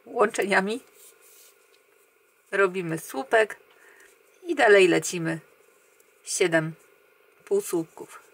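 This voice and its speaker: A woman guiding viewers through a crochet pattern step by step, counting stitches aloud in a calm, quiet way that often trails off. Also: mid-range voice, takes it slowly, vocal fry, long pauses. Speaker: crochet tutorial host.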